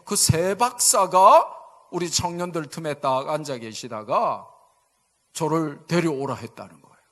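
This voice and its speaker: A man's voice: fairly high pitch, a little slow. A man in his fifties with a Busan accent, a pastor telling a funny story in a sermon and drawing replies from the congregation. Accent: Busan Gyeongsang dialect. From Busan, South Korea. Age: 50s. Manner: animated, jokey, asks the congregation for replies. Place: church sanctuary.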